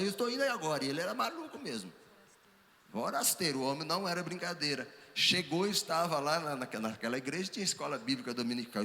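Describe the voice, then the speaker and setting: A man, a pastor telling his story on a ministers' panel, acting out the dialogue with lively energy. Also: mid-range voice. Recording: hall reverb, faint background ambience.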